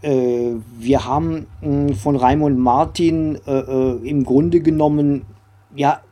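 An older man recalling his working life as an interview guest, halting and digressive, often adding little tag questions. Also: fairly high pitch, fairly even intonation, warm tone. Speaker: interview guest, former comics publisher and editor. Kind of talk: conversational interview recollection.

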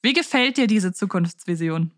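A woman's voice: medium pitch, expressive, normal speed, no room sound. Woman podcast co-host, dry close sound. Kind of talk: conversational podcast discussion.

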